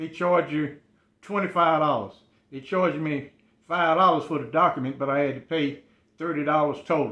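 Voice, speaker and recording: Using fairly even intonation, a man speaks at a moderate pace in a bright, sharp tone. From Sudan, moved to US at eight. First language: Arabic. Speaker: YouTuber, former prisoner. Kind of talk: casual vlog monologue.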